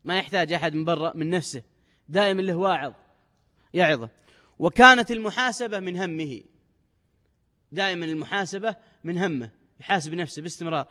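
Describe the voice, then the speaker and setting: A man delivers a religious lesson in a high, quick voice. He reads each quoted text with lifted emphasis, then explains it in everyday dialect. A long hall reverb trails behind every phrase. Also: fairly bright tone. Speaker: religious teacher.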